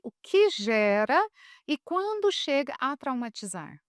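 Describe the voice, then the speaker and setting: A Brazilian woman hosts an interview, asking engaged follow-up questions. Her voice is high and smooth. The sound is dry and close. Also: sing-song, a little slow, dry recording. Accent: Brazilian Portuguese. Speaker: show host. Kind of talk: interview conversation.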